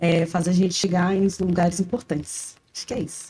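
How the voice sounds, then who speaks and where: A woman's fairly low, dark, mellow and somewhat breathy voice at a moderate pace, in a Minas Gerais accent. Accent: Minas Gerais accent, kept. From Minas Gerais, Belo Horizonte. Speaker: book co-author, corporate professional. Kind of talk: casual interview chat.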